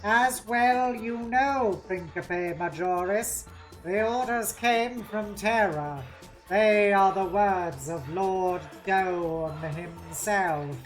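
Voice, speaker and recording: Woman doing slimy polite robot priest guy, super slow n condescending, bit of music behind. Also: mid-range voice, poor audio. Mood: smooth, formal. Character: smooth, patronizing male cyborg tech-priest with false smiling voice. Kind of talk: dramatic novel read-aloud.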